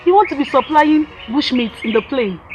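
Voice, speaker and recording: A woman's voice: high voice, lively intonation, moderate pace, muffled recording, noisy background. A woman with a Nigerian accent playing a fed-up, ambitious village wife who scolds and complains.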